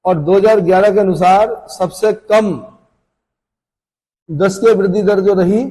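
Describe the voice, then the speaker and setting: A man teaches an exam-prep class casually and conversationally, asking questions and answering them himself. His high-pitched voice is unhurried, mellow, and slightly rough, with fairly even intonation, and the recording quality is low.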